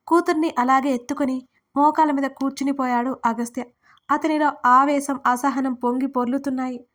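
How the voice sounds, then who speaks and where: High-voiced woman narrating a story. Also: a bit bright. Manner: reads all characters' lines with little change of voice.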